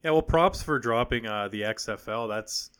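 A man hosting a podcast talks in a bright, forceful tone. His voice comes through smooth and resonant. He chats casually, often pausing on fillers and restarting his sentences. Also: medium pitch. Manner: conversational, with frequent fillers and restarts. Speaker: podcast host. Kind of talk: casual hockey podcast chat.

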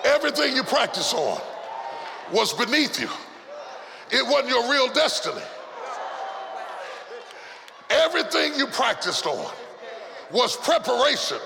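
A man's voice: extremely high pitch, gravelly. A man preaching a rousing revival sermon in a roaring, rallying way, exhorting the congregation with emphatic repetition. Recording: live sermon over music and crowd noise. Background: music and congregation.

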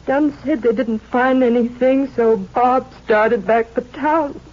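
An actress playing a grieving, gracious sheriff's widow, gentle, folksy and hesitant, in 1950s radio drama style. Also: female voice, on the high side, takes it slowly. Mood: sorrowful. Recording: dull vintage 1950s radio recording.

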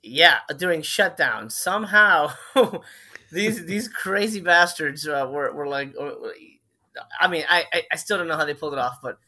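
A man's voice: fairly high pitch, normal speed, pushed and bright. A man in his forties from Miami, a filmmaker guest telling stories in a casual, rambling interview, often correcting himself. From Miami, Florida. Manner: rambling, self-correcting storyteller.

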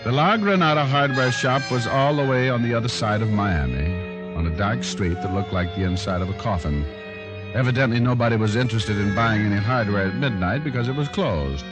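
An actor playing a sarcastic private detective who also narrates, in a 1940s-style radio drama over music. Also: male voice, lowish voice, expressive, a little fast, lightly acted. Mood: narrating. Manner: wry, sarcastic. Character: wisecracking male private eye narrator. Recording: music underneath.

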